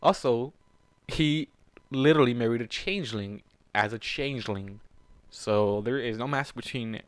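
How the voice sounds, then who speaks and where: A man's voice: medium pitch, measured pace, dry recording. A man reading fan fiction aloud and breaking off for incredulous, sweary, casual commentary.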